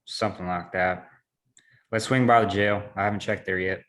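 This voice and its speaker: An actor playing a wary, steady small-town man who leads a search, at a script table read. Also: sits low, normal speed.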